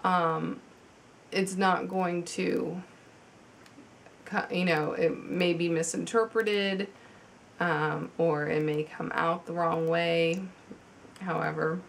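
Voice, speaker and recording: Woman with a cold, chatty and halting. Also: on the low side, steady tone, creaky, a little hiss or hum. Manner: chatty, halting with many ums and restarts. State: has a cold, slightly congested. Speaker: tarot reader. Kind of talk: casual video tarot reading. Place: at home.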